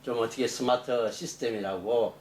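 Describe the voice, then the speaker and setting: A man's voice: mid-range voice, steady tone, moderate pace, a little mellow, reverberant, slight background noise. Middle-aged man rambling through technical answers. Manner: rambling explanations with many fillers and restarts. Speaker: engineering professor. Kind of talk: interview answers.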